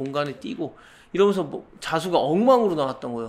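A man with a fairly high voice speaks in an animated tone with lively intonation. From South Korea. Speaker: hat business owner and YouTuber; YouTuber. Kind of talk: casual vlog monologue. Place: workshop.

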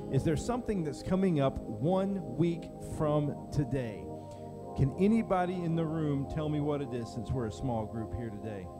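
Medium-speed male speech over clear background music. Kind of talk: announcements then prayer. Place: church. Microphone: handheld.

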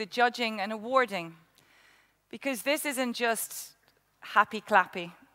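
A woman's bright, sharp voice at a fairly slow pace. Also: quiet background. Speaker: award ceremony host. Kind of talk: ceremony hosting. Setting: stage with audience. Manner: animated. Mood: warm, appreciative. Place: hall. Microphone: headset.

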